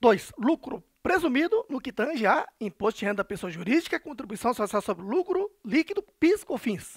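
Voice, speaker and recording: Over a quiet background, a man talks at a moderate pace with hardly any pauses. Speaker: online course seller. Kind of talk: sales pitch. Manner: emphatic, persuasive, with repeated 'but forget that' price drops. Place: studio. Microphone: headset.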